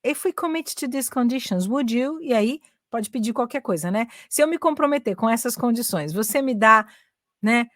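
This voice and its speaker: A woman's voice: a little high, expressive, normal speed, a bit bright, no room sound, clean studio sound. A middle-aged Brazilian woman teaching English in a chatty lesson, switching between Portuguese and English and often checking in with "né?" and "ok?". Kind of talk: casual bilingual English lesson.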